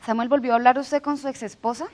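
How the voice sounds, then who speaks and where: A woman's voice: high-pitched, fairly even intonation, quick pace, a little mellow. A woman hosting a TV interview, asking direct, formal questions. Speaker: TV interviewer host.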